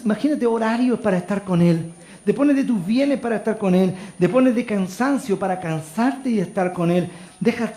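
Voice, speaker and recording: High-voiced Chilean pastor preaching in echo. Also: male voice. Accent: Chilean Spanish. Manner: preaching, swings from loud exhortation to quiet storytelling. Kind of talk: sermon. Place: church. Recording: echoey church hall.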